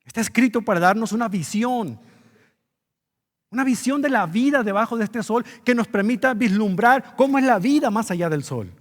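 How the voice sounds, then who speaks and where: A male pastor preaches an earnest sermon, pitched high for a man. He pushes his key words upward for emphasis. His voice carries through the long reverb of a church. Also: animated, normal speed.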